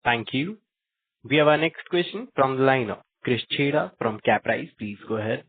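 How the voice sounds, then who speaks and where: Husky male call moderator over phone. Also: medium pitch, animated, normal speed. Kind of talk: formulaic call announcements. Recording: narrow, distant phone line.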